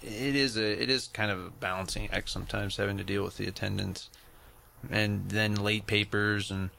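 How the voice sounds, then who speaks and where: A male radio host with a gravelly, fried edge under a bright, forceful tone. He chats casually with his guest in a radio studio and rephrases his questions as he goes. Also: fairly low pitch, steady tone, moderate pace, slight background noise.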